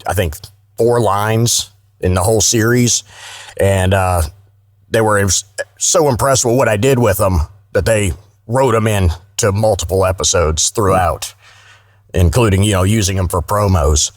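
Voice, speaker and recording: A man with a low voice chats casually as an interview guest on a podcast. He is candid and salty-tongued, and the sound is dry and close. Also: unhurried, dry recording. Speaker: guest voice actor.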